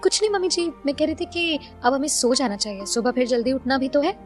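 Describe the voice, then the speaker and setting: A woman voicing a young daughter-in-law in an animated story, weary and complaining. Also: sits high, fast talker, faint music behind. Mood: cheerful. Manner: complaining, fretful.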